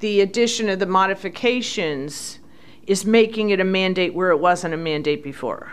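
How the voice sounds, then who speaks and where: This woman has an ordinary speaking voice at medium pitch. She keeps a moderate pace with ordinary pitch variation. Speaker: county commissioner. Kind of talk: committee meeting debate.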